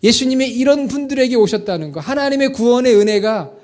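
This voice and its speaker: A man with a high voice preaching to his congregation. He tells a story at an even pace and often turns to ask his listeners what they would do. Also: a little fast. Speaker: pastor. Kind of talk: sermon.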